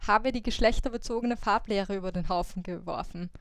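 Smooth-voiced woman hosting. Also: medium pitch, brisk, fairly bright tone, no echo, studio quality. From Austria. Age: 20s. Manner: reads out listener survey answers. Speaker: podcast host. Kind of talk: casual podcast chat.

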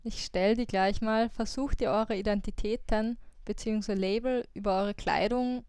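A woman's voice: medium pitch, steady tone, normal speed, a little mellow, clear, resonant tone, dry recording, clean studio sound. A woman, hosting a podcast chat and reading out listener survey answers. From Austria. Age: 20s. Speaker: podcast host.

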